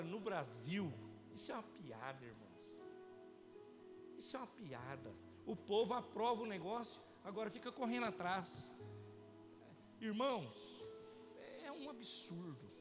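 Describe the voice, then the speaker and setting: A man with a Brazilian Portuguese accent preaching a sermon as pastor, emphatic and repetitive, often addressing the congregation directly. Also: high-pitched. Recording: church hall with long reverb and faint music.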